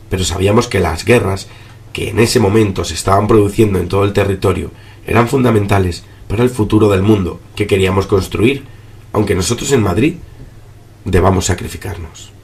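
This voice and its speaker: A man acting as a besieged resistance fighter chronicles a war after the fall of civilization. His voice sits fairly low. He narrates in a grave, measured radio drama style, solemn and full of foreboding. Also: natural voice. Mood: desperate, resigned.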